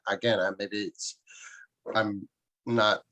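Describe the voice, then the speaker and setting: Bright-voiced man hosting a casual interview. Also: lowish voice, level tone, takes it slowly, lo-fi sound. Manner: informal, interjects with recaps. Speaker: interviewer, host.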